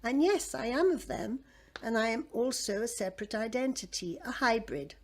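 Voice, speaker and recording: A woman from Egypt reciting her own poem in a dramatic way, with wide swings in pitch and loudness. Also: moderate pace.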